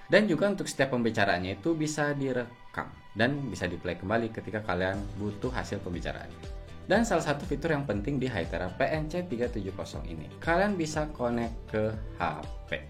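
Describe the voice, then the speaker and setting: A man giving a casual product review, explaining things colloquially and straight to the viewer. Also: mid-range voice. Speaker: host, gadget reviewer.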